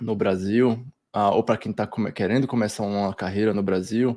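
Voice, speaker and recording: A man speaks at a moderate pace with fairly even intonation. His pitch sits fairly low. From Pernambuco, Brazil (Araripina and Recife). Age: 20s. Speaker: software developer. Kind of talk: online masterclass presentation. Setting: live stream with screen share. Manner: halting, many repetitions.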